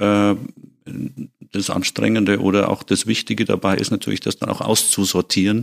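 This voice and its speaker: A man speaks at a fairly slow pace with a fairly low pitch, and the sound is dry and close with no echo. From Upper Palatinate, Bavaria (Amberg-Sulzbach district). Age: 50s. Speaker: communication designer and book publisher. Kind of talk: casual interview. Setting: studio. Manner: hesitant, many fillers.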